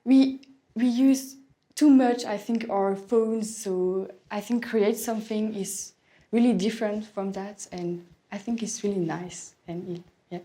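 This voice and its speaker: A young woman answers as a candidate in a speaking test. Her voice is soft-edged and mellow, and she goes slowly. She is hesitant, searching for words and building simple, sentences. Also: mid-range voice, steady tone. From Belgium. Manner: hesitant, searching for words, non-native phrasing.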